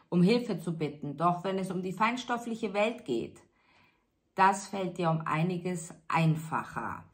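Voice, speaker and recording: A woman giving a spiritual tarot reading, speaking slowly and soothingly straight to the listener. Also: on the low side. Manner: slow, soothing, addresses listener directly. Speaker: tarot reader.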